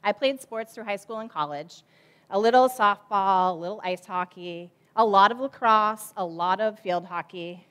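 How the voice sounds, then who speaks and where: A woman's voice: medium pitch, normal speed, fairly bright tone, clean tone. A woman in her forties, a children's ministry director, giving a chatty object lesson sermon from a church stage with lots of fillers.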